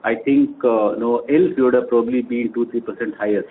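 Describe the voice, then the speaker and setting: A man's voice: medium pitch, steady tone, brisk. An Indian-accented man answering questions as a company executive on an earnings call. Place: telephone conference call. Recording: tinny phone line with faint noise.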